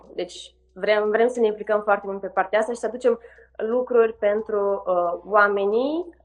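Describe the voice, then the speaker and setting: A woman's fairly high voice at a moderate pace, an ordinary speaking voice. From Chișinău, Moldova. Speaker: photographer and mother. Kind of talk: casual interview chat.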